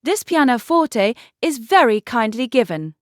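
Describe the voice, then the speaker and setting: A woman's voice: a little high, big pitch swings, unhurried, no room sound, clean studio sound. A woman voicing a genteel young lady, polite and carefully probing, in a period audiobook drama.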